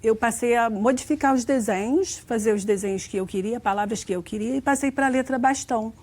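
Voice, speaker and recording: A woman's voice: fairly high pitch, a little fast, darkish tone. A Brazilian woman teacher with a Brazilian Portuguese accent, recounting her classroom practice. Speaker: guest teacher. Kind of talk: interview answers.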